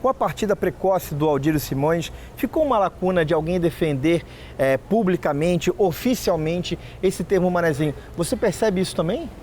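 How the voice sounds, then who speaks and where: A man hosting a talk show, asking the questions and reading sponsor lines in a smooth presenter tone. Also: high voice, expressive, normal speed, a little mellow, slight background noise. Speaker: show host. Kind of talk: interview and broadcast hosting.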